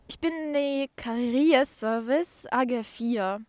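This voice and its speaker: Female podcast guest, high voice, halting delivery, dry close recording. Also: darkish tone, no echo. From Ukraine. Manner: halting, careful non-native phrasing. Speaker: podcast guest, career mentoring volunteer. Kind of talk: interview answers.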